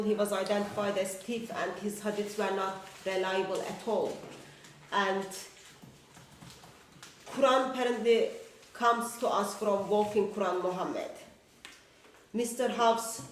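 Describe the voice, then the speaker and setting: A woman on a panel making a prepared argument in a measured, deliberate way. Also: medium pitch, steady tone. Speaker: panel guest. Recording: roomy, distant mic, faint noise.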